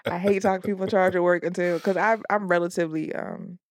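A woman's voice: on the low side, fairly even intonation, fast, a little mellow. A woman with an African American accent talking casually in a blunt, assertive, slangy way. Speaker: project manager. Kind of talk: casual animated conversation.

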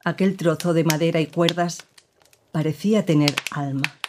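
An actress playing a woman who gravely recounts her partner's past in an audio drama, with measured, serious storytelling. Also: low voice, steady tone, noisy background, lightly acted.

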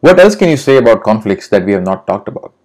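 A male interviewer with a fairly low voice responds quickly and moves briskly on to his next question. He sounds direct and affirming as he keeps the conversation going. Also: sing-song, darkish tone. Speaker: interview host.

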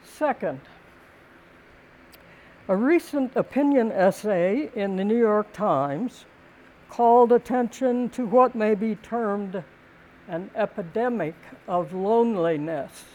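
An older woman giving a prepared talk in a calm, gentle, deliberate way, with thoughtful pauses between phrases. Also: medium pitch, muffled recording. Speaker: speaker giving a talk on community and housing.

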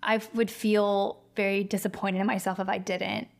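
A woman's voice: medium pitch, level tone, normal speed, gravelly. Casting: young woman from Kentucky, earnest podcast host, reflective and chatty. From Kentucky, United States. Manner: earnest, reflective, uses many fillers. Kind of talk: casual conversation.

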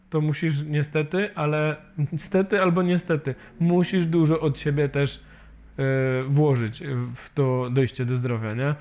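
A man's voice: a little high, a little mellow. A man who is an amputee and peer support volunteer, talking casually in an interview and hesitating often as he searches for words. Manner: halting, many fillers and restarts, ends with tag questions.

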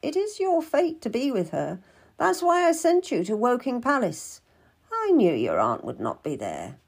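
A woman's voice: on the high side, wildly swooping pitch, normal speed, vocal fry, breathy edge, pitched above the performer's own voice, full character voice. A woman voicing a stern, secretive older midwife in a storybook, commanding and solemn in manner. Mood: grave, secretive.

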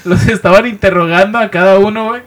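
A man's voice: sits high, steady tone, fast. A man with a Mexican accent telling a story in a casual, slangy podcast chat and laughing often.

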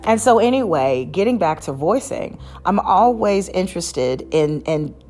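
A woman's voice: lowish voice, lively intonation, measured pace, a little mellow, soft background music. A woman hosting a casual solo podcast, chatting in a rambling way with many fillers and restarts. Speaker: podcast host.

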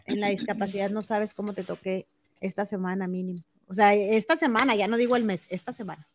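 A woman co-hosting a podcast as the mother of a disabled child, talking in a casual chat and retelling conversations with animated, emotional feeling. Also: medium pitch, brisk, slight background noise.

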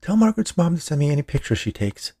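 A man's voice: a little high, big pitch swings, fast talker, warm tone, breathy edge, no echo, studio quality, pitched above the performer's own voice, full character voice. Doting, protective mom of a teen, played by a male narrator, narrated fiction, everyday delivery. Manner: doting, chiding. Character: fond, protective mother of a teenage son.

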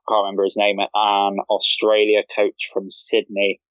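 A man's voice: lowish voice, monotone, normal speed, a bit bright, no echo, muffled recording. A man from the UK, a guest on a casual podcast, who talks hesitantly and often repeats words as he starts a sentence. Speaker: podcast guest, fan account runner.

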